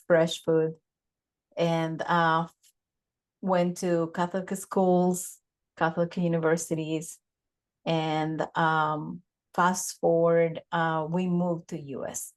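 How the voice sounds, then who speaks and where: Lady in her 40s, lowish voice, talks real slow with lots of ums, video call. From Bogota, Colombia. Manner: unhurried, many pauses and fillers. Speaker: guest. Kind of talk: casual interview, telling life story. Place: home office with bookshelves. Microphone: desk microphone on a video call.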